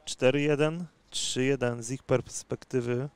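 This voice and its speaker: Male tennis commentator: smooth, clean tone, unhurried and conversational, pausing as he calls the match. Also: medium pitch, fairly even intonation.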